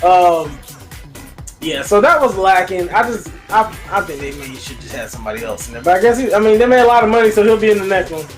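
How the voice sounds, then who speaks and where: A man's voice: sits high, fast, faint music behind. A man co-hosting a casual movie review, talking in slangy, colloquial language and acting out bits as he retells them. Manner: colloquial, slangy, animated retelling with acted-out quotes.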